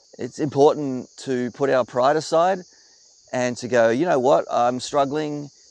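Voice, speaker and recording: In an Australian accent, a man talks at a fairly slow pace with ordinary pitch variation, in a dry sound with no echo. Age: 40s. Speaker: YouTuber. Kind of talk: vlog monologue. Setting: outdoors at the beach. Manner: casual, with many fillers. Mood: warm, encouraging. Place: beach. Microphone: lapel.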